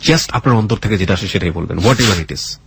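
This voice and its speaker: A man's voice: fairly low pitch, brisk, creaky, a little hiss or hum. A man with a Bangladeshi accent hosting a radio show, speaking earnestly and emphatically with dramatic phrasing. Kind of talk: radio storytelling and interviewing. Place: radio studio.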